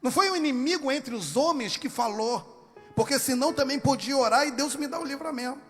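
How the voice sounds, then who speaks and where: Impassioned high-voiced Brazilian preacher. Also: male voice, fairly quick, long reverb tail, soft background music. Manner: impassioned, swings from soft to shouted. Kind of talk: sermon. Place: church.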